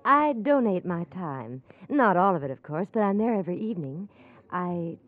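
A woman's voice: lowish voice, very animated, moderate pace. A woman playing a guarded young smuggler with a poised, cutting manner in a 1940s radio crime drama, on a muffled old recording. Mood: polite, poised. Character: cool, guarded young female forgery smuggler posing as charity worker.

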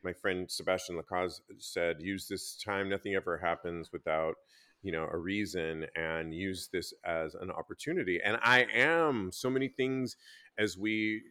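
A man's voice: sits low, moderate pace, bright, forceful tone, clean tone. A man hosting a podcast in an effusive, emphatic, casual chatting style. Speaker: podcast host. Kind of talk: casual chat.

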